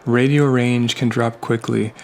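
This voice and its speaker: A man narrating a scripted product review in measured, short, plain phrases. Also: mid-range voice, fairly even intonation, a little hiss or hum.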